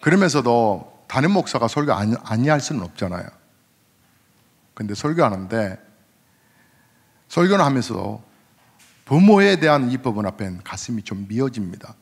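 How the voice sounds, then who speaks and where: A man in his fifties, a senior pastor, preaching a sermon in a conversational storytelling way, asking the congregation questions and rising in pitch at emotional moments. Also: very animated, normal speed, pauses often, slightly rough. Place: church sanctuary. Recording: long hall reverb.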